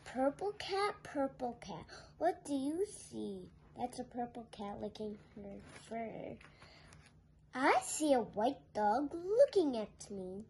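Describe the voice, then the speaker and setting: A little girl reads a picture book aloud with big swoops in her voice. She takes her time, stressing repeated phrases in a singsong and dropping softer for asides. It is a home phone recording with faint background noise. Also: fairly high pitch, very animated, takes it slowly. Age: child. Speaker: young reader presenting a picture book. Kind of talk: read-aloud to young children with simple asides. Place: living room sofa at home. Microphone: phone held nearby.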